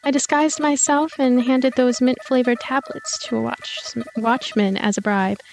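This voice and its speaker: A woman's voice: high voice, sing-song, measured pace, a little hiss or hum, poor audio. A woman reading a visual novel aloud as a let's player, narrating the story and voicing its lines. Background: game music.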